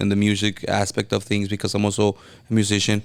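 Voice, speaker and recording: Fairly low in pitch, a man with a strong Mexican accent talks at a fairly quick pace. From Mexico, Puerto Peñasco, Sonora. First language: Spanish. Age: 30s. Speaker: videographer and content creator. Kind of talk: podcast interview. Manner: halting, many repetitions and restarts.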